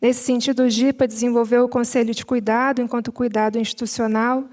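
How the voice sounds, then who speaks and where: A Brazilian Portuguese-accented woman at a seminar panel, reading a prepared summary in a measured way with spoken asides. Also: on the high side, little pitch movement, darkish tone. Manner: measured, mixes read text with spoken asides and fillers.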